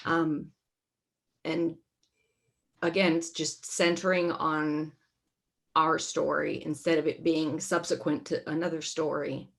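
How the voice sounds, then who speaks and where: A woman with a very low-pitched voice speaks as a panel guest. Her delivery is conversational and thoughtful, like someone answering an interview question. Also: flat delivery, takes it slowly, vocal fry, long pauses. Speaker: theater performer, panel guest.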